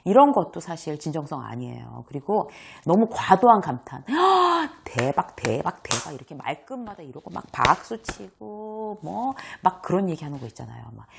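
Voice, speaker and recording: A woman hosting her own lesson on speaking well, talking straight to viewers in a lively way and acting out examples with frequent laughs. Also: low-pitched, moderate pace, gravelly, hardly any pauses, background noise. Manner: animated, acts out examples, laughs often. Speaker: host and workplace communication coach. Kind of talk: talking-head lecture.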